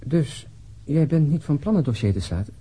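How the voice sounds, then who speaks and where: An actor playing an easygoing, wry police detective in a radio drama, casual and dry in manner. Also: male voice, on the high side, lively intonation, moderate pace, dark tone, slightly rough.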